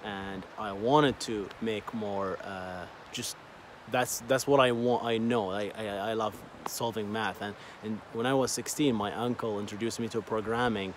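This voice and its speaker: A man's voice: lowish voice, fairly even intonation, a little slow, slight background noise. A man in his thirties whose first language is Arabic, telling his story in a casual, rambling vlog with many fillers and repeated words, filmed on a phone at arm's length outdoors by a lake. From Bahrain. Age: 30s. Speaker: vlogger. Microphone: phone held at arm's length.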